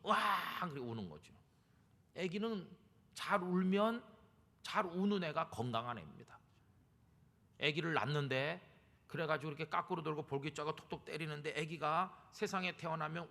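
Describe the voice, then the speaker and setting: A man's voice: a little high, vocal fry, bright, forceful tone. A man preaching a sermon as a pastor, speaking emphatically and rising to fervent appeals. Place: church sanctuary. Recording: long church reverb.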